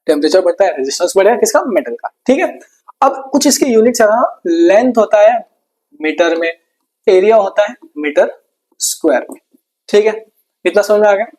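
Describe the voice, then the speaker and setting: A man teaching a rapid exam revision lesson in a casual, brotherly tone. He asks questions, answers them himself and adds jokes and memory tricks. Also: high voice, expressive, darkish tone.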